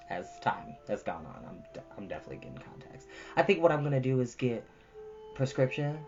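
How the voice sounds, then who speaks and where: A woman with a very low voice hosts a storytime, moving between chatty asides and expressive reading. She is earnest and encouraging. The recording is a little dull, with music underneath. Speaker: storytime host and reader. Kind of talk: casual chat and expressive book reading. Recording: dull lo-fi audio with music behind.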